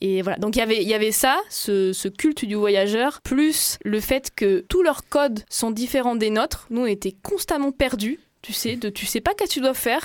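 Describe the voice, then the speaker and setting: A woman has a normal speaking voice with fairly high pitch. She uses lively intonation and hardly any pauses. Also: fairly slow pace. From French Pyrenees. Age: 20s. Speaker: community radio presenter. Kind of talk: casual chat.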